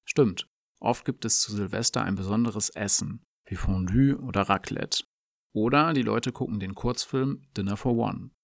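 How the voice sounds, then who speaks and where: Gravelly low man explaining calmly. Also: moderate pace, no echo, clean studio sound. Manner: calm, clear, explaining. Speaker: language lesson presenter. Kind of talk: scripted explanatory dialogue.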